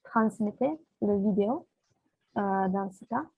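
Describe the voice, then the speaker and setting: A woman with a foreign accent in French feels her way through questions as a non-native speaker. Her delivery is slow and halting, with some creak. The sound is thin and phone-like. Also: mid-range voice, no echo. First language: not French. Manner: hesitant, searching for words in French. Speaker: festival participant asking questions. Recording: muffled phone-like online call audio.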